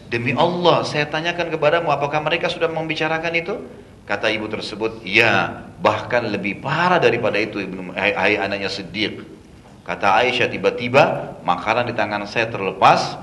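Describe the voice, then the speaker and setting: A man preaches a storytelling sermon with a bright, forceful voice. He retells events in a lively way, acts out the speakers he quotes, and drops casual asides. The room is echoey, with faint background noise. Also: mid-range voice. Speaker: Islamic preacher.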